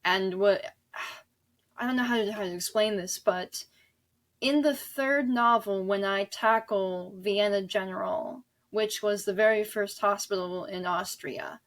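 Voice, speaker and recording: A woman being interviewed as an author, talking conversationally and explaining earnestly, in a halting way. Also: mid-range voice. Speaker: guest author discussing their novels.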